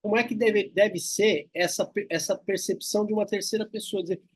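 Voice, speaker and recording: A man's voice: high voice, steady tone, fairly quick, dry recording. A man hosting an interview, reflecting thoughtfully and sharing a personal anecdote with his guest. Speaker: interview host. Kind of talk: casual interview chat.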